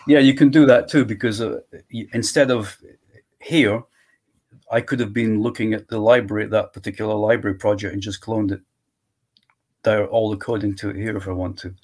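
A man walking through his software tool in a live screen-share demo, thinking aloud step by step. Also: lowish voice, fairly even intonation, normal speed. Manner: walks through steps aloud, thinking as he goes.

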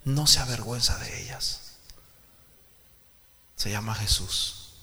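A man preaching a sermon in a church, talking emphatically and swinging from soft, confiding talk to loud outbursts as he addresses the listener directly. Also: on the low side, slow, gravelly. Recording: long hall reverb with faint background noise.

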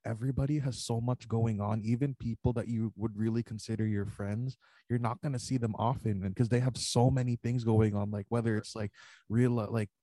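A man's voice: medium pitch, steady tone, brisk, dark tone, no room sound. A man in his twenties talking in a rambling, casual way, full of fillers. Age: 20s. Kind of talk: casual chat on a video call.

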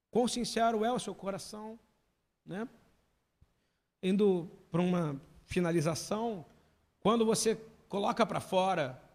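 A man preaching a sermon as pastor, emphatic and full of questions to the congregation. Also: high voice. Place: church hall. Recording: long hall reverb.

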